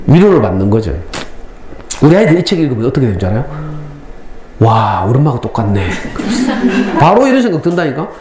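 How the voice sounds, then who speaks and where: A middle-aged man with a Gyeongsang Korean accent, giving a lively parenting lecture to school parents and acting out lines as he tells stories. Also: on the high side. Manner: lively storytelling, acts out lines. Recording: echoey hall, faint ambience.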